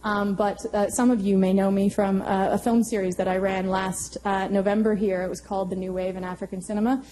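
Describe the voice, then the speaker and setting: Woman prof talking on a panel, warm mellow tone, kinda searching for words, little bit of hum behind. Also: medium pitch, little pitch movement, brisk, rough recording. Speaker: history professor, panel speaker. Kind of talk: prepared panel remarks to a university audience.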